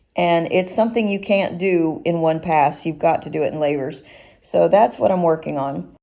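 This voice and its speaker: Speaking at a moderate pace, a woman has a fairly low pitch, a dark, mellow tone and ordinary pitch variation. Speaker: painter. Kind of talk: tutorial. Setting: studio. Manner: halting, with fillers.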